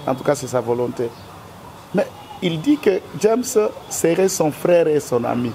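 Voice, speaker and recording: A man's voice: fairly high pitch, sing-song, unhurried, mellow, slight background noise. Emphatic Congolese man arguing politics. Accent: Congolese French. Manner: emphatic, argumentative. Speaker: political guest. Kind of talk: political interview.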